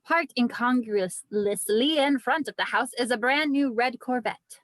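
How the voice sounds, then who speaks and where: Female narrator for script directions, fairly high pitch, dry recording. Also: unhurried, fairly bright tone, dry recording. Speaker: narrator reading stage directions.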